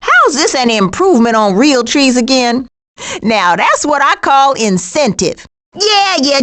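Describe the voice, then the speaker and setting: A woman voicing a sassy, streetwise, sarcastic female skunk with slangy wisecracks in an animated video game. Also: high voice, heavily acted.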